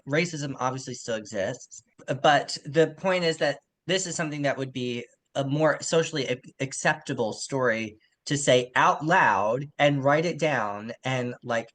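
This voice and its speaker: Male podcast co-host, medium-pitched, informal literary analysis, reflective and careful to qualify his points. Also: a bit bright. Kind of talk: casual literary discussion.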